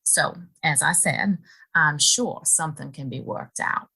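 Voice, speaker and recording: Woman as husky, quietly defiant saloon keeper. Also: low-pitched, full character voice. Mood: guarded, defensive. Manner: measured, guarded, sighing. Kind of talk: Western audio play acting.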